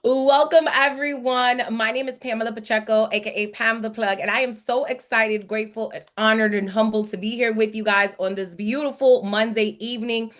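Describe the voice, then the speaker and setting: A woman's voice: a little high, fairly even intonation, normal speed, few pauses, a bit bright. A woman from the Dominican Republic and the US East Coast presents a live online masterclass as a brand coach, in an emphatic, motivational manner that repeats phrases for weight. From born in the Dominican Republic, grew up in New York City and South Florida.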